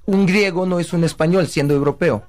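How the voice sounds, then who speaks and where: A man's voice: fairly high pitch, brisk. A man from Uzbekistan, Uzbek native speaker, patiently explaining things as a radio guest. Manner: calm, patient, lecturing. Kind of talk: explanatory chat.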